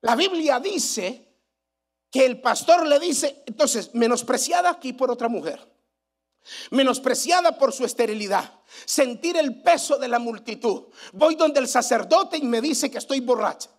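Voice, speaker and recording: Speaking at a measured pace in a very high voice with lively intonation, this male pastor delivers an emphatic sermon, repeating phrases for impact and asking the congregation rhetorical questions.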